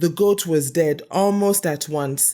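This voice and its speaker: A woman with a Nigerian accent speaks at a fairly low pitch with ordinary pitch variation, recorded very cleanly against a silent background. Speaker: storyteller. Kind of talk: folktale reading.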